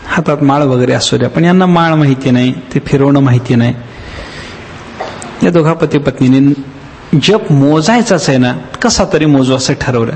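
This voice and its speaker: A man giving a devotional discourse as a spiritual teacher, telling a story with lively acted-out voices and slowly chanted verses. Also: mid-range voice, a little hiss or hum. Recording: long hall reverb.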